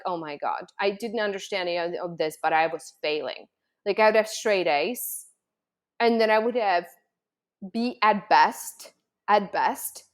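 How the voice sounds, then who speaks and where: A woman from the Czech Republic, talking casually to viewers as a coach, telling personal stories in a chatty, animated way full of "like"s. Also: medium pitch. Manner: chatty, animated storytelling with many "like"s.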